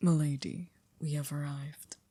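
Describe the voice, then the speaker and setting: A woman playing a poised, coolly controlling maid to a vampire in an ASMR roleplay, speaking formally and politely in a hushed, breathy, often near-whispered voice. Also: sits low, level tone, no room sound. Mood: courteous, composed. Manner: formal, polite, measured, with stiff wording.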